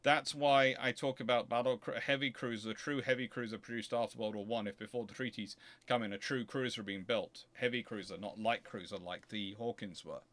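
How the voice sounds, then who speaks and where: A man's voice: medium pitch, fairly even intonation, a little fast, hardly any pauses, a bit bright. A man hosting an off-the-cuff explanatory talk, emphatic and digressive, often correcting himself as he goes. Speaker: host answering audience questions.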